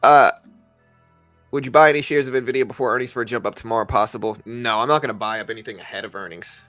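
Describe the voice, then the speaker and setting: Guy doing a casual live market stream, bright punchy voice, talking stuff through, music in the back. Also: mid-range voice, fairly even intonation, quick pace, dry recording. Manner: conversational, explanatory. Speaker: livestream host. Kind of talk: casual live stock market commentary, answering chat.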